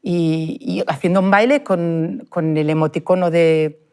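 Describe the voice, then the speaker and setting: A woman, a parent telling her family's experience in an earnest, emotional way, often halting and restarting. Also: on the low side, steady tone, darkish tone, clean tone. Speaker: parent of a bullied child. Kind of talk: personal testimony in a group conversation.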